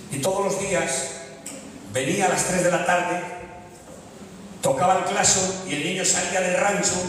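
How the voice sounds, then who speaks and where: A man with a Spanish accent preaching a sermon in a large church, moving from quiet storytelling to loud, fervent calls. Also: slight background noise. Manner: builds from low storytelling to loud fervent shouting. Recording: echoey hall, distant mic.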